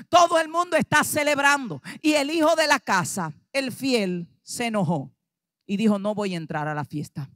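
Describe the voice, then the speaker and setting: High bright-voiced Dominican woman preaching. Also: dry recording, studio quality. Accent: Dominican Spanish. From Dominican Republic. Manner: animated preaching, acting out dialogue, rising to shouts. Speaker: pastor. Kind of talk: sermon.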